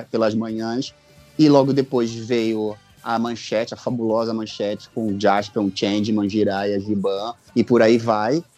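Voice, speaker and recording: A Brazilian man in his forties chatting casually as a guest, telling personal stories in an animated, jokey, colloquial way. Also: mid-range voice, no room sound. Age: 40s. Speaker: podcast guest.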